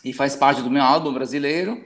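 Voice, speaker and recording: A man's voice: medium pitch, a little fast, a bit bright. A man from Italy, a musician and professor, speaking reflectively on a live call. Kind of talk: casual interview talk.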